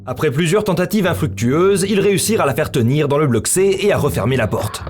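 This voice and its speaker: A man's voice: fairly high pitch, expressive, fairly quick, darkish tone. A man delivering scripted narration for a science-fiction visual novel. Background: music.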